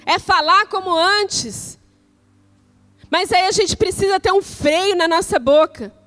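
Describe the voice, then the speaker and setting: A woman pastor with a Brazilian Portuguese accent preaching a sermon in church, measured and declarative, with rhetorical questions. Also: very high voice, fairly bright tone, faint music behind.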